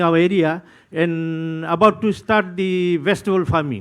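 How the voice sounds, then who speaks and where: A man speaks at a fairly slow pace. His pitch is high, with ordinary variation. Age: 60s. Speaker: district advisory councillor. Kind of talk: public question at town hall. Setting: town hall forum. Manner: halting.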